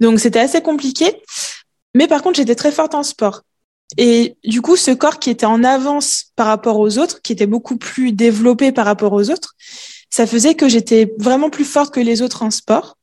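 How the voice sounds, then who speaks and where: A woman's high-pitched voice in a dark, mellow tone, moderately paced with ordinary pitch variation. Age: 20s. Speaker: physiotherapist and health sport coach. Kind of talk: casual interview chat.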